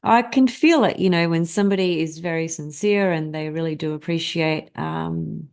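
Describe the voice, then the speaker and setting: A woman whose first language is Greek hosts a live astrology stream alone, speaking straight to her viewers. Her voice sits on the low side with a gravelly, creaky texture. She rambles easily, restarting sentences and filling pauses as she goes. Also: darkish tone. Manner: rambling, many fillers and restarts. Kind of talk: casual live-stream talk to chat viewers.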